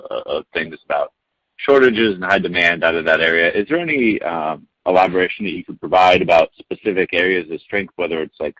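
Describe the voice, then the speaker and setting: A man's voice: low voice, fairly bright tone. A man working as a financial analyst, asking wordy, hedging questions on a muffled conference call. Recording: muffled, echoey phone conference line.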